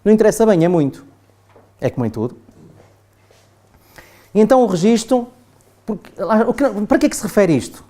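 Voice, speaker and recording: A man's voice: high-pitched, very animated, brisk, pauses often, dark tone. A man with a European Portuguese accent giving a chatty classroom talk to adults, often asking the group "não é?". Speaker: trainer. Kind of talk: classroom lecture.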